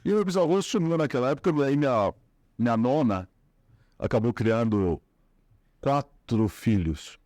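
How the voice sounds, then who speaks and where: A middle-aged man with a Paulistano Brazilian accent talks as an interview guest, winding through his story with fillers and restarts. His voice sits in an ordinary middle pitch and sounds close and dry. The tone is relaxed and conversational. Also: normal speed, no room sound. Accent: Paulistano Brazilian Portuguese. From São Paulo, Brazil. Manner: rambling, many fillers and restarts.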